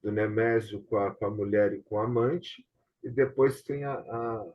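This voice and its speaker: A man's voice: on the low side, moderate pace, darkish tone. A Brazilian man hosting a casual online discussion, explaining things and often checking for agreement, recorded over a video call. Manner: explanatory, often seeking agreement with tag questions. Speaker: host and theatre director. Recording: dull, lo-fi video-call audio.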